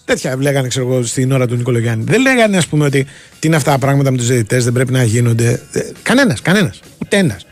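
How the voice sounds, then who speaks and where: A man's voice: mid-range voice, sing-song. Emphatic male sports radio co-host. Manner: emphatic, insistent, repeats points. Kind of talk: casual radio sports chat. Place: radio studio.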